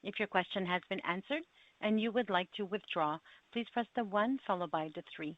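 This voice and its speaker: A woman's voice: mid-range voice, fairly quick, dry recording. A woman with a mid-range voice gives scripted operator instructions. She is formal and courteous, heard on a dry, slightly dull conference line. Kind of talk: scripted procedural announcement.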